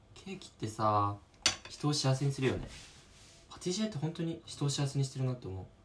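Noticeable background noise sits behind a man with a fairly high pitch. He talks at a fairly quick pace, with lively intonation and big swings in loudness. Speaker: solo podcaster doing an ASMR cooking diary. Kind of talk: casual solo chat while cooking. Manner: speech others say sounds effeminate.

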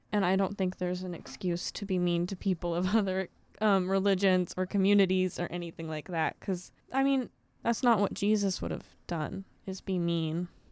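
Against a quiet background, a woman talks at a moderate pace in an ordinary speaking voice, her pitch medium and her intonation fairly even. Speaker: student reporter. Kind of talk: casual chat.

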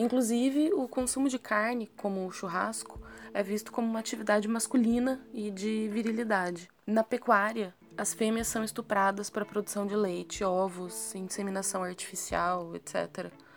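A plain, everyday voice from a woman, medium in pitch, moderate in pace, with fairly even intonation. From Londrina, Paraná, Brazil. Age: 30s. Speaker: oceanographer. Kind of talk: recorded testimony.

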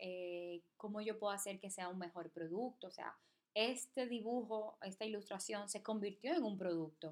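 A woman speaks with a Dominican accent. Her pitch varies in an ordinary way. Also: medium pitch for a woman, moderate pace. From Dominican Republic, Santo Domingo. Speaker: illustrator and small business founder. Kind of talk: casual interview chat.

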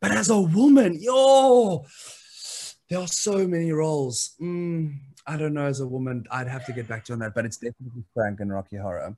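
This man speaks at a moderate pace, his pitch swinging very widely. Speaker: performer and theatre producer. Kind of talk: casual interview.

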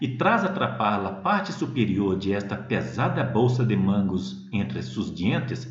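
With a Brazilian accent, a man speaks at a fairly slow pace against noticeable background noise. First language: Portuguese (speaking Spanish). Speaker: contest participant. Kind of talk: storytelling.

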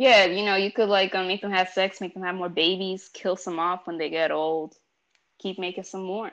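Against a quiet background, a woman speaks at a moderate pace and medium pitch with monotone, flat intonation. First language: Spanish. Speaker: interviewee. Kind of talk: casual chat. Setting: phone call.

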